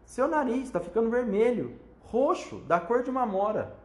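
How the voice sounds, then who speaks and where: A man voicing a shrill, panicking middle-aged mother in a storybook reading. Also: expressive, normal speed, roomy sound. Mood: frantic. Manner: shrieking, frantic.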